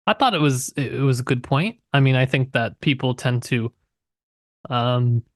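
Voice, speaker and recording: A man's voice: mid-range voice, moderate pace, no room sound, clean studio sound. A man co-hosting a podcast, casually discussing literature and tentatively thinking aloud as he goes. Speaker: podcast co-host.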